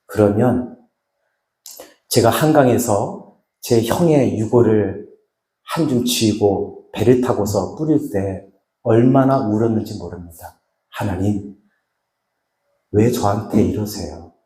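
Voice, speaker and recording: A middle-aged man from Chungcheong giving a dramatic, emotional testimony sermon as a healing minister, going from loud to hushed. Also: fairly low pitch, takes it slowly. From Chungcheong, Korea. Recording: echoey hall.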